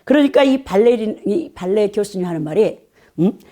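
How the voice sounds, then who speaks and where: A woman pastor preaching a sermon, telling stories animatedly and checking in with the congregation through quick "eh?" asides. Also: mid-range voice, expressive, mellow.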